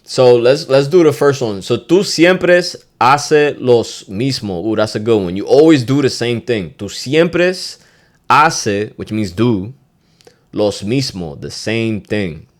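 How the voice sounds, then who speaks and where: A man's voice: mid-range voice, lively intonation, unhurried. A young man hosting a podcast, giving a loose, slangy Spanish lesson, swearing and dropping in Spanish phrases. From Dominican heritage. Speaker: podcast host.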